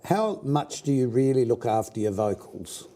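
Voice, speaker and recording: A man's voice: medium pitch, sing-song, moderate pace, mellow. Chatty older Australian male host. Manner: chatty, jokey, interjects often. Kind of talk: casual interview chat.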